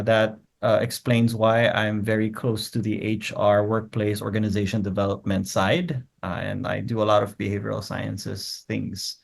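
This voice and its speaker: A man's voice: fairly low pitch, vocal fry. A man from Korea, a native Korean speaker, talking as a guest researcher in a conversational interview. He lays out his ideas point by point and keeps checking in with the listener. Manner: explains in numbered points, tags statements with quick checks.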